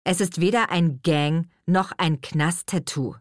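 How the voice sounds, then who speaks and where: A woman's voice: fairly low pitch, measured pace, no echo, clean studio sound, lightly acted. A woman reading an audiobook, playing a cocky young man who speaks in a sarcastic, teasing way. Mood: defensive.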